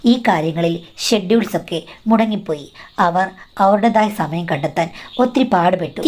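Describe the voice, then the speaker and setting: A woman's voice: fairly low pitch, darkish tone. A woman narrating a scripted first-person story in a confiding way, addressing the listener as madam.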